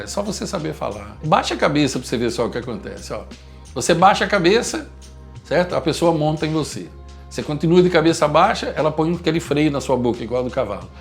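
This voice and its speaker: A man's voice: on the high side, vocal fry. A Brazilian man giving a motivational talk in a blunt, emphatic, lecturing manner. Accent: Brazilian Portuguese. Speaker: communication speaker.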